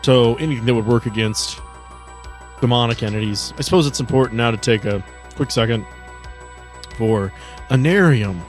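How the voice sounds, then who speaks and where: A man working as game master, narrating and explaining lore phrase by phrase for a tabletop game. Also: lowish voice.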